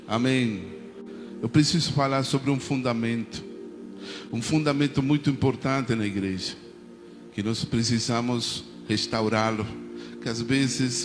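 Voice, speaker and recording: A man's voice: medium pitch, long reverb tail. A man from Argentina who speaks Spanish natively, preaching a sermon with an Argentine Spanish accent and leading the congregation in prayers and responses. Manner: preaching with call-and-response prayers and frequent "amém". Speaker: pastor.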